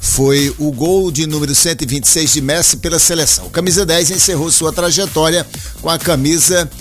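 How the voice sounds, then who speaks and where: Speaking fairly quickly with a fairly high voice and fairly even intonation, a man hosts a radio sports and call-in program over soft background music. He chats loosely about football, answers listener calls, and punctuates sentences with a lilting "né?".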